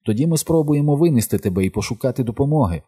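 A man's voice: mid-range voice, lively intonation, very fast, dark tone, husky, pitched above the performer's own voice. A man voicing an anxious young man caught in danger, who speaks in a tense, pleading and cautious way.

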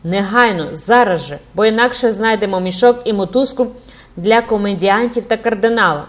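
Rowdy shouting crowd, as a woman reader puts it on. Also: mid-range voice, moderate pace, lightly acted. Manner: shouting, demanding.

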